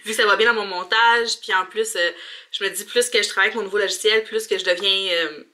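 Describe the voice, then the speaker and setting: A young woman with a Quebec accent and a very bright, forward voice talks in a colloquial, chatty way. She speaks informally to the camera, as in a home vlog filmed in a bathroom. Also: medium pitch, fairly even intonation, brisk. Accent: Quebec French. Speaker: mom vlogger. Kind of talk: casual vlog chat to camera.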